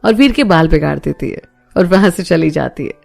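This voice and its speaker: A woman narrating a romance audio story in a steady storytelling manner. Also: deep voice, a little fast, vocal fry, soft background music.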